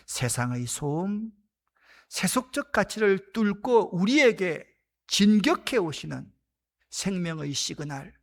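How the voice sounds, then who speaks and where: A man preaching a sermon as pastor, shouting out acted quotes and then dropping to hushed whispers. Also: fairly high pitch, vocal fry. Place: church sanctuary.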